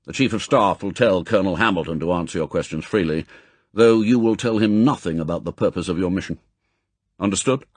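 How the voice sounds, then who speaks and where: A man voicing a gruff, impatient elderly spy chief, brusque and authoritative, in an audiobook. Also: low voice, a little fast, dry recording. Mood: brisk, businesslike. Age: older. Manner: brusque, authoritative, clipped commands. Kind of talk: audiobook character acting.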